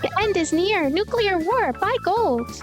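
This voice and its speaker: A woman voicing an energetic, cheerful young girl in a visual novel, eager and playful. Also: extremely high pitch, a little slow, music in the background, pitched above the performer's own voice. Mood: loud, eager.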